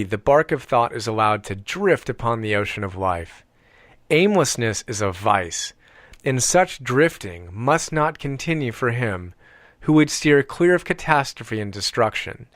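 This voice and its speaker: A man reading an audiobook in a deliberate, measured way with emphatic pauses. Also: mid-range voice, no room sound, clean studio sound. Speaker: audiobook reader. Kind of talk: scripted audiobook narration.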